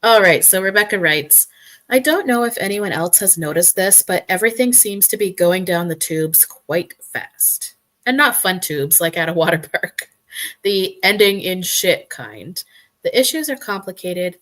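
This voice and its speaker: A woman with a slightly low, croaky voice chats with a co-host and greets viewers on a livestream. She laughs easily and keeps a loose, casual tone. Now and then she reads an article aloud. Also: expressive, normal speed, a bit bright. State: croaky voice with a cough. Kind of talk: casual chat.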